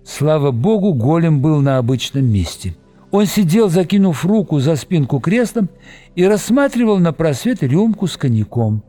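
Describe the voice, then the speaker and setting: A man reading a novel aloud as scripted narration, expressive and voicing every character himself. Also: fairly high pitch, normal speed, faint music behind. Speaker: audiobook reader.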